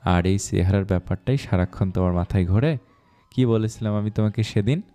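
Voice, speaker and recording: A man voicing a hot-tempered, bossy young man in a spoken story, scolding and impatient, in a deep, mellow voice. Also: steady tone, brisk, close to an everyday voice.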